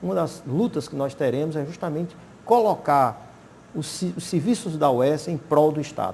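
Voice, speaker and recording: Fairly high in pitch yet dark and mellow in tone, a man's voice moves at a moderate pace with lively intonation. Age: 60s. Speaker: university professor and rector candidate. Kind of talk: TV interview. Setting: TV studio.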